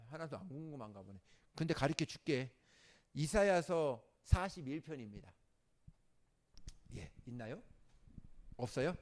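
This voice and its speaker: A man preaching a sermon as a pastor, animated, turning from loud scolding to soft asides and asking the congregation questions. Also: medium pitch. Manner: asks the congregation questions and jokes with them.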